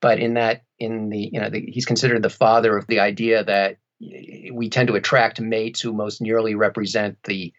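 A man's voice: lowish voice, flat delivery, moderate pace, hardly any pauses, highs cut off. A man speaking as an interview guest in a thoughtful conversation, choosing his words carefully and rather formally. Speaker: audiobook narrator, podcast guest.

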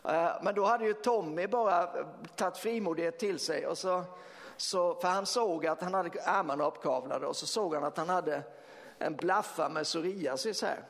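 A man preaching as pastor, telling a story in a lively way with fillers and laughter. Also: high voice, gravelly. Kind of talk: sermon storytelling. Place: church hall. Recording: long church reverb.

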